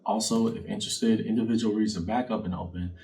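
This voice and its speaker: A man who hosts a channel gives a conversational tarot card reading, fortune-teller style, reflective and addressing the listener directly with rhetorical questions. His voice is warm and fairly low, fairly even in intonation, and he talks fast. The mic is distant, with faint background noise.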